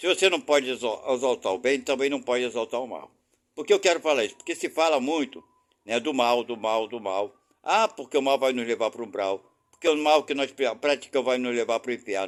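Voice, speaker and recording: The recording is very clean with a silent background. A man talks fairly quickly at a medium pitch with ordinary pitch variation. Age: 60s. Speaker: spiritist study channel host. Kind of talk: religious study commentary. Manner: animated; halting.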